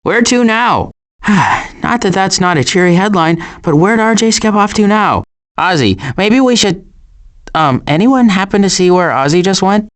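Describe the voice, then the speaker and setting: A man voicing a cautious, anxious adult male turtle in an animated video game, fretful and wry with deadpan sarcasm and stammers. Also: sits high, a little slow. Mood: uneasy, dry.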